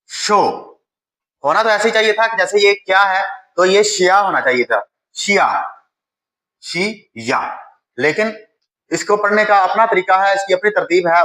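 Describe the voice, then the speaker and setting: With a Pakistani Urdu accent, a man explains a Japanese writing lesson step by step, patient like a teacher at a whiteboard. His voice is high and bright, and the audio quality is poor.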